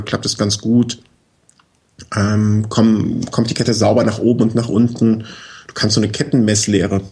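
A man with a husky, slightly breathy voice that sits on the low side walks through his advice in a relaxed, conversational way. He explains things step by step and keeps dropping in little tag questions and fillers as he talks. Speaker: bicycle expert guest. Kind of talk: casual explanatory chat.

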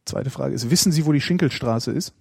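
Male podcast host. Raspy, dry studio sound, informal deadpan chat. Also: mid-range voice, fairly quick, no echo. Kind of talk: casual chat, answering listener questions.

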